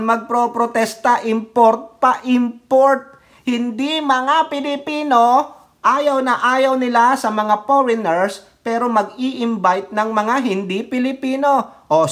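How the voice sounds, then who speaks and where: A man with a high voice that rides above most men's, running a casual political commentary vlog. He mocks and heckles the people he talks about and speaks straight to his audience, his scorn pushing through every line. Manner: mocking, heckling, and addressing viewers directly; often breaks into laughter. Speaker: political vlogger.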